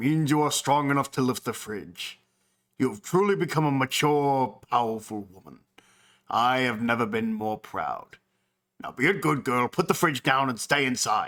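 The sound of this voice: On a very clean recording with a silent background, a man uses a put-on character voice at a medium pitch. He keeps a moderate pace, and his loudness swings widely.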